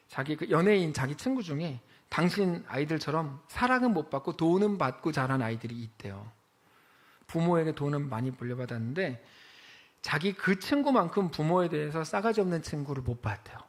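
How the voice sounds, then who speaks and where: A man preaching in church, his voice sitting a little high for a man and swinging widely in pitch as he tells the story. He acts out the quoted lines and exclaims in disbelief. It is a pastor's sermon delivered with lively storytelling. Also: a little fast.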